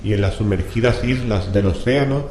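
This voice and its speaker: In a horror radio drama, a man plays a grave, horrified scholar reading forbidden occult scripture aloud, slow, solemn, ominous and incantatory. His voice is on the low side and a little mellow, lightly acted. It sounds reverberant over a music bed, with slight hiss or hum.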